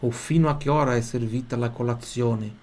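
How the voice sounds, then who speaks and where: A middle-aged man, teaching Italian in a live online lesson, drilling phrases slowly and asking students to repeat them aloud. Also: mid-range voice, a little mellow.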